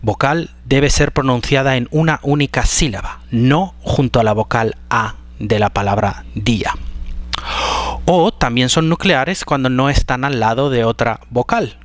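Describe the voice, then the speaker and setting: A man's voice: medium pitch, dry recording. Man teaching syllables, dry sound. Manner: slow, careful, drawn-out example words. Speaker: Spanish pronunciation teacher. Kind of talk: explanatory lesson.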